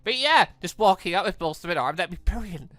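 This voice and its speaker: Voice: mid-range voice, expressive, brisk, a bit bright, no echo. A gaming video host giving casual, rambling commentary, thinking aloud while playing.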